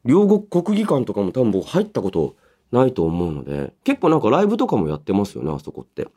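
A voice actor hosting a radio show alternates between chatty conversation and announcements in a polite manner, frequently using soft "ne" tags. He speaks fairly quickly in a lowish, slightly rough voice with huge pitch swings.

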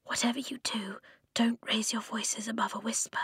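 A woman's voice: fairly high pitch, flat delivery, moderate pace, a bit bright, slightly rough, dry recording, clean studio sound, pitched above the performer's own voice, full character voice. Woman as an urgently whispering brave girl. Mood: cautioning. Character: brave, urgent young girl leading her friends.

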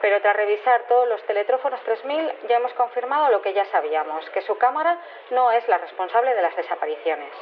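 An actress playing an apologetic, hesitant laboratory worker in an audio drama, leaving a voicemail with a Castilian Spanish accent. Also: female voice, fairly high pitch, fast talker. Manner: hesitant, explanatory. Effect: voicemail message. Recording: dull, noisy voicemail recording.

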